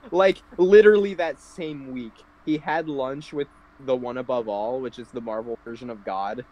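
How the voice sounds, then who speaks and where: A man's voice: medium pitch, unhurried, a little mellow, lo-fi sound. A man co-hosting a podcast, telling rambling stories full of fillers and casual swearing. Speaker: podcast co-host. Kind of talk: casual chat.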